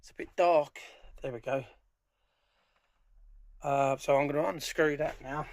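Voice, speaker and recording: A man's voice: fairly high pitch, steady tone, measured pace. A middle-aged man giving informal hands-on commentary in a workshop, thinking aloud as he works. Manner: thinking aloud while working with his hands. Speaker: DIY speaker restorer presenting a how-to video. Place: small cluttered workshop, indoors. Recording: clear background noise, clicks of handling.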